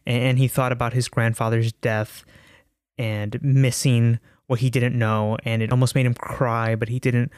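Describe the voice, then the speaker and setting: A man's voice: mid-range voice, level tone, moderate pace, a little mellow, clean tone, no room sound, studio quality. Man giving an earnest album review. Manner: earnest, thoughtful, some restarts and stretched words. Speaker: music reviewer.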